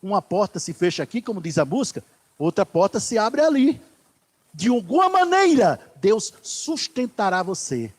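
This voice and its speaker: A pastor preaching a sermon in church, swinging from loud declarations to hushed asides. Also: male voice, sits high, very animated, moderate pace.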